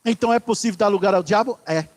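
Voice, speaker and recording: A pastor preaching a sermon in church, swinging from loud declarations to hushed asides. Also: male voice, sits high, fast.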